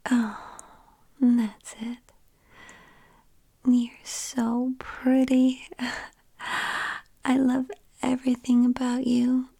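Slow-whispering woman, soothing ASMR roleplay. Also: a little high, vocal fry, husky. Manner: soft close whispering; tender, soothing. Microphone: close mic.

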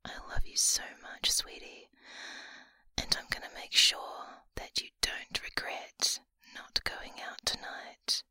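A woman whispering slowly and intimately into a close microphone, with a breathy voice and frequent sighs. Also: pushed and bright, dry recording. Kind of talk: whispered ASMR-style roleplay.

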